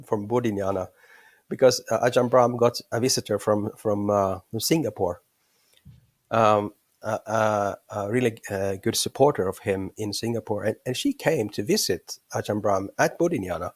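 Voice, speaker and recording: A Buddhist monk and teacher in his fifties, from western Norway and speaking with a Norwegian accent, chats casually as an interview guest. He is hesitant, searches for words and often chuckles. His voice is fairly low, at normal speed, and the recording is dry.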